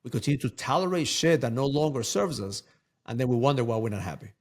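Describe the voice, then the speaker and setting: A man's voice: medium pitch, expressive, fast talker, a little mellow. A man talking as a guest coach in a casual interview, emphatic and preachy, often repeating words for stress.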